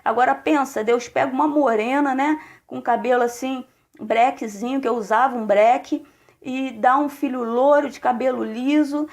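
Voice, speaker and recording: A woman pastor, giving a testimony sermon as animated storytelling. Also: high voice, moderate pace. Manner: animated storytelling with acted quotes.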